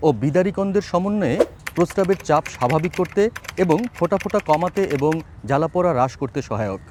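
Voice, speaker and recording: A man's voice: a little high, lively intonation, fast talker, noisy background. A man reads a scripted health product promotion as a voice-over artist, enunciating persuasively.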